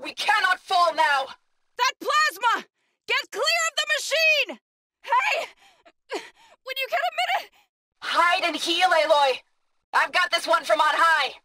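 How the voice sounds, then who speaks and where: A resolute tribal woman warrior and healer from a video game. She speaks with earnest conviction in measured, formal phrasing. The recording is close and dry, with no room sound. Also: very high voice, big pitch swings, sharp tone, dry recording, exaggerated voice. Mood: urgent battle shouting. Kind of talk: game character voice lines.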